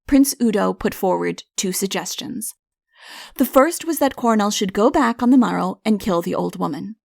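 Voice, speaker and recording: A woman's voice: medium pitch, normal speed, gravelly, darkish tone, no room sound, clean studio sound. A woman reading a comic fairy tale as an audiobook narrator, in scripted storytelling style.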